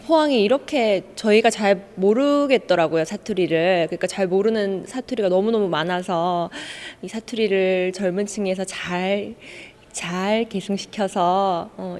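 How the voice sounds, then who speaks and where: A woman's voice: medium pitch, a little mellow, slight background noise. A woman event organizer speaking in a hesitant, conversational way. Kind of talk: interview comments.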